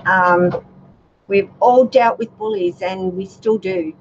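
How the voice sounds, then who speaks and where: A woman with a soothing voice, hosting a relaxed livestream chat with her viewers, gentle and chatty with many fillers. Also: mid-range voice, slow. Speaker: YouTube channel host. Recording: dull lo-fi livestream audio with faint noise.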